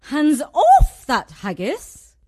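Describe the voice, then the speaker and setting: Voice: high voice, huge pitch swings, extremely slow, darkish tone, voice pushed up, exaggerated voice. A storyteller voicing a bossy, pushy middle-aged woman who chairs a school committee, making haughty demands. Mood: imperious.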